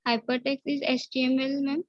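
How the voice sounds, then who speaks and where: Young indian girl in an interview, hesitant and halting, flat voice, dry muffled call. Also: high voice, no echo. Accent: Indian English. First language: Hindi. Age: young adult. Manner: hesitant, halting English with many fillers. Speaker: job candidate. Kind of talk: nervous interview answers. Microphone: video call.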